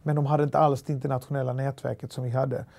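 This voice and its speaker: A man's voice: mid-range voice, vocal fry. A middle-aged man with a Halland dialect, telling a story in an interview with restarts and fillers. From Sweden. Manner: lively anecdotal telling with many restarts and fillers.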